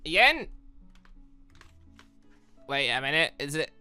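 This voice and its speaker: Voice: medium pitch, big pitch swings, slow pace, sharp tone, smooth, no room sound, faint music behind. A chatty let's-play host, rambling casually and correcting themself mid-thought. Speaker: host of a gaming channel.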